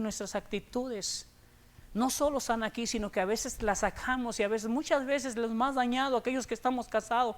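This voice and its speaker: A man with a Mexican Spanish accent preaching a sermon, swinging between loud emphatic declarations and low, confiding asides. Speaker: pastor. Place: church sanctuary.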